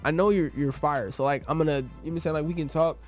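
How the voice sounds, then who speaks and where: A man's voice: on the high side, fairly even intonation, fast, faint music behind. A young man chatting as a guest, retelling events by quoting himself and laughing often. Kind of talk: casual interview chat.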